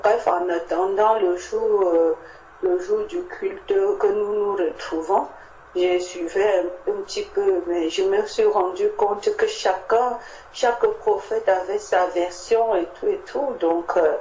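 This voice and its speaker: Female church member, informal testimony, slow halting delivery, muffled echoey recording. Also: medium pitch, steady tone, warm tone, slight background noise. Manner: halting, repetitive, searching for words. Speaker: church member sharing at a Bible meeting.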